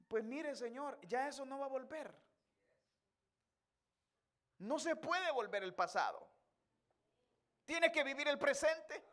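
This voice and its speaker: A male pastor giving a sermon in a church, moving from chatty asides to loud, impassioned preaching. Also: extremely high pitch, animated, slow, long pauses.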